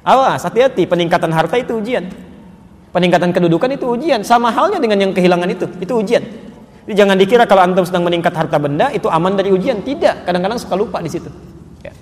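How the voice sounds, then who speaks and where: A man preaching a sermon, telling stories with loud emphatic peaks and dropping soft for prayers. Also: sits high, animated, racing. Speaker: Islamic preacher. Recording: live talk in a reverberant hall with faint ambience.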